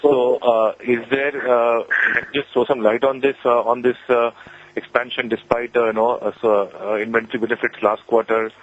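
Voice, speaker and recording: A man asking questions as an analyst on an earnings call, hesitant, with many filled pauses. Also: medium pitch, level tone, a little hiss or hum. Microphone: phone. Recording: thin, narrow telephone line.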